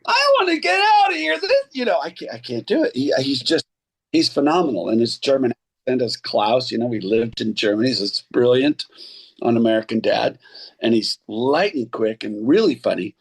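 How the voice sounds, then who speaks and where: A man in his sixties, an actor and voice coach, telling animated stories in a casual interview and slipping into others' voices. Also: medium pitch, moderate pace, breathy edge. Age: 60s.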